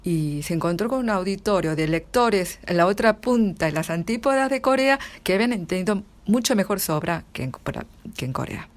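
A woman's voice: mid-range voice, lively intonation, fairly quick. A middle-aged woman with an Argentine Spanish accent, chatting as an interview guest, with many restarts and frequent laughter. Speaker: literary translator, guest. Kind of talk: casual interview answers.

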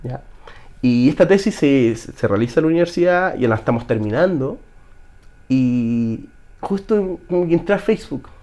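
A man's voice: medium pitch, animated, moderate pace, mellow. A Chilean man in his thirties, telling a personal story as an interview guest, emotional with many restarts.

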